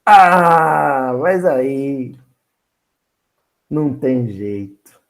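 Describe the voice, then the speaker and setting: Male Bible study speaker with a Minas Gerais accent; slow, emphatic, swooping delivery. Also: high voice. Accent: Minas Gerais Brazilian Portuguese. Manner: animated and expressive, slow and emphatic.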